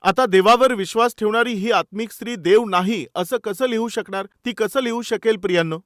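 A man's voice: high voice, fairly quick, dry recording, studio quality. A man preaching a sermon with stories. He is emphatic, asks his listeners rhetorical questions and acts out the dialogue. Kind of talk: sermon with storytelling.

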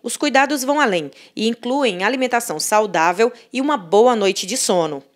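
Female news reporter, a little high-pitched, steady formal read. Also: a little hiss or hum. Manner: measured, formal delivery. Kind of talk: scripted news narration.

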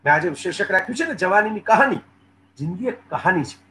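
High-voiced man telling an earnest story. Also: animated, quick pace, bright, forceful tone, a little hiss or hum, poor audio. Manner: earnest storyteller, quoting dialogue in the speakers' voices; addresses viewers directly. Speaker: motivational speaker. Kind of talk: storytelling motivational talk.

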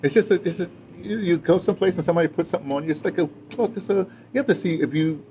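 A warm, high-pitched voice comes rapid-fire from a man in his seventies recalling his audio drama career in an interview. He reminisces casually, repeating phrases as he goes. He's recorded outdoors in a patio or yard with clearly noisy surroundings.

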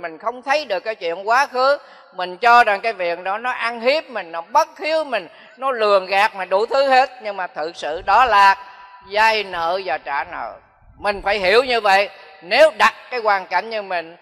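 A man's voice: sits high, fairly bright tone. An older man, a Buddhist monk, giving a folksy dharma talk that repeats phrases for emphasis. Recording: long hall reverb.

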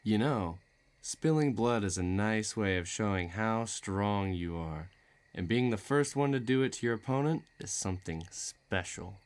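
A man's voice: lowish voice, measured pace, dry recording, close to an everyday voice. A man playing a menacing, bloodthirsty villain who taunts and threatens in an audio roleplay. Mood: threatening, sneering. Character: menacing bloodthirsty male villain craving a duel.

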